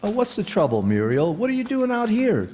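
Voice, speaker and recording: An actor playing a blustering, easily flustered husband in 1940s radio comedy acting, sputtering with exasperation. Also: male voice, high voice, huge pitch swings, brisk, darkish tone. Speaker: harried husband, new homeowner. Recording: reverberant old radio broadcast with faint noise.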